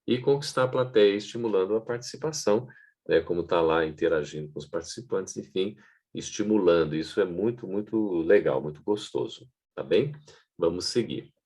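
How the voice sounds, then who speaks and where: A man with a deep voice gives an online training lecture on public speaking straight to camera at a normal speed. His teaching tone is lively, and he frequently adds checking asides.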